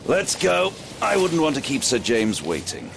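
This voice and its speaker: An actor playing a cheeky maverick police detective in an audio drama, wry, teasing and offhand. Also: male voice, fairly high pitch, sing-song, a little slow, creaky, background noise, exaggerated voice. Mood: wry, sardonic.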